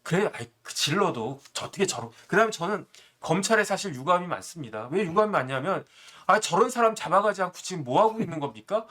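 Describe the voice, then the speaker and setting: A man's voice: sits high, expressive, quick pace, fairly bright tone. A man in his fifties commenting on politics in a talk show, indignant and full of rhetorical questions. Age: 50s.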